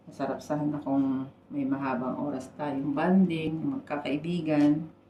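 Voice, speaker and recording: Against noticeable background noise, the voice comes at a fairly slow pace with monotone, flat intonation. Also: woman. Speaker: vlogger. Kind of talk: casual vlog talk. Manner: hesitant with fillers.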